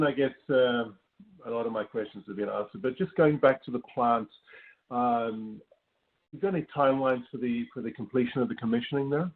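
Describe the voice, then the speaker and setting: A man's voice: mid-range voice, phone-quality sound. A man, a financial analyst, asking a brief friendly question on an earnings call.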